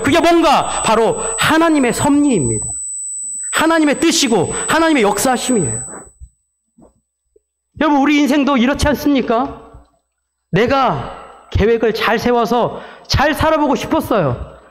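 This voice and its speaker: Pastor preaching with a very high voice, animated and dramatic, mimicking sound effects. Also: male voice. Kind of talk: sermon.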